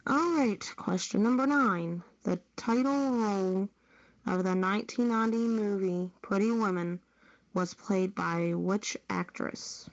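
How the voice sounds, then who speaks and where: A woman's voice: mid-range voice, measured pace, no room sound. A woman hosting a group podcast quiz, reading out questions and confirming answers. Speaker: quiz host. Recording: dull, lo-fi online audio.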